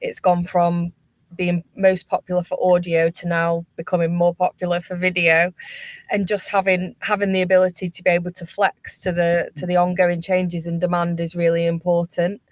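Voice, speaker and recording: A woman's voice: fairly low pitch, completely flat delivery, moderate pace, no room sound. A woman workspace operator explaining her views as a webinar panellist.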